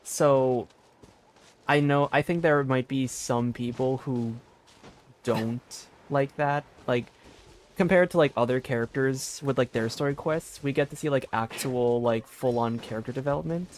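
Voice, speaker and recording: A man's voice: mid-range voice, a little slow, slight background noise. A man giving casual live gaming commentary as a streamer, informal and thinking aloud in a meandering way. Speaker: game streamer.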